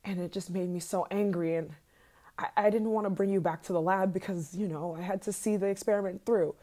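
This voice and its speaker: Low, sweet, eerily obsessive yandere woman acted out. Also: warm tone, exaggerated voice. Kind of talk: ASMR role-play, addressed to the listener.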